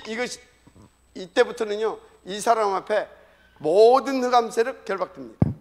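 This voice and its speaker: High gravelly guy preaching in church, punchy and loud then drops to a whisper. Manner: emphatic preaching, sudden drops to whispered repetition. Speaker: pastor. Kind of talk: sermon. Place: church sanctuary.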